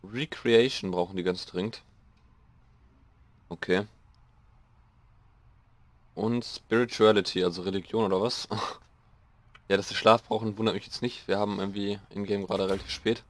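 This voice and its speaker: A young man with a slightly hoarse voice, rambling casually through gameplay commentary and mocking himself as he goes. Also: on the low side, fairly even intonation, normal speed, pauses often, dry recording. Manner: rambling, self-mocking, thinking aloud. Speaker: let's play host.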